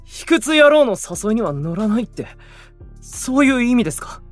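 An actor playing a blunt, hot-headed young male idol singer in a Japanese voice drama, brash and outspoken with a husky voice. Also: very high-pitched, sing-song, moderate pace, soft background music. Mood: wary, grumbling.

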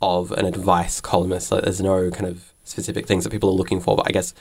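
A man's voice: sits low, little pitch movement, fast, gravelly, darkish tone, slightly rough. A man working as an interviewer, asking casual, roundabout questions in a tentative, hedging way.

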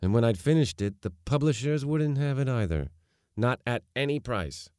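Man reading as a quietly kind middle-aged father. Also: mid-range voice, animated, normal speed, no echo, studio quality, voice pushed up, close to an everyday voice. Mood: wryly confiding. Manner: quiet, understated, reassuring. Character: gentle, kindly middle-aged father, a country doctor.

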